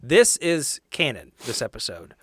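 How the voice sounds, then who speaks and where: A man's voice: mid-range voice, very animated, measured pace, slightly rough, no room sound, clean studio sound. A man chatting casually as a podcast host and tabletop player, friendly and upbeat.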